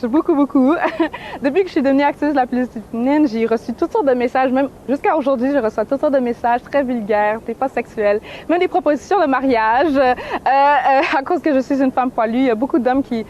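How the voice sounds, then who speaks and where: A woman's voice: sits high, moderate pace, darkish tone, muffled recording, slight background noise. A woman in her twenties with a Québécois French accent, talking candidly in an interview and laughing easily. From Canada. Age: 20s. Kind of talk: casual interview talk.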